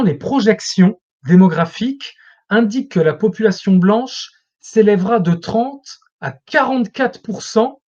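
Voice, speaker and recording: A man's voice: sits high, darkish tone. Lecturing man on a dull lo-fi line. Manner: lecturing, explains for students. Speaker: guest expert. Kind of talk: explanatory interview talk.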